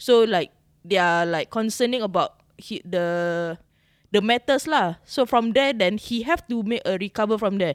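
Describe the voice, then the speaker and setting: A woman with an ordinary speaking voice talks at a moderate pace and a fairly high pitch, her intonation lively, in a very clean recording with a silent background and a dry, close sound with no echo. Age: 20s. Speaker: podcast guest. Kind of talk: casual chat.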